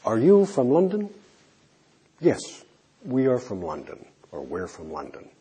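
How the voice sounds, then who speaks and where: A man teaching an English lesson, slowly modelling questions and answers for learners. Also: mid-range voice, wildly swooping pitch. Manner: modelling example answers clearly, trailing off softly. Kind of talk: slow, deliberate classroom instruction.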